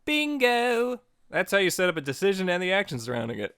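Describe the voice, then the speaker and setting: A man's voice: sits high, huge pitch swings, brisk, a bit bright, clear, resonant tone, no room sound, studio quality. A man narrating a scripted but casual tutorial as its host, with playful, joking asides.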